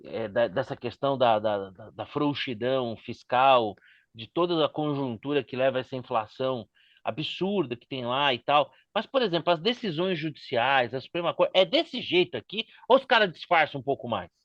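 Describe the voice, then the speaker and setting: A man's voice: mid-range voice, animated, moderate pace, a bit bright, no room sound, lo-fi sound. A man hosting a panel discussion, asking leading questions with many hesitant restarts. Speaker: host.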